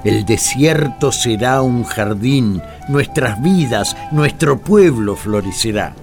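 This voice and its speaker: An awed, slow-talking Argentine peasant. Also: male voice, medium pitch, expressive, faint music behind. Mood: awed, hopeful. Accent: Argentine Spanish. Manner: colloquial, wondering. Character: awed peasant man telling of a desert prophet. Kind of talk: radio play acting.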